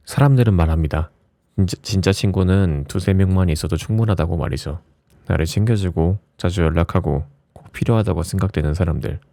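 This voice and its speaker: A man with a low voice reads reflective essays as an audiobook narrator, in a soft ASMR style with a gentle, soothing bedtime delivery. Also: no room sound. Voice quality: low, mellow voice.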